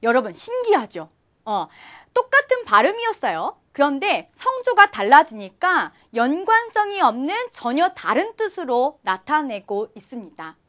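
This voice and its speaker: Bright, lively woman teaching a lesson. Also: high voice, moderate pace. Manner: lively, encouraging, asks the viewer questions. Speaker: Chinese teacher. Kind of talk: friendly online language lesson.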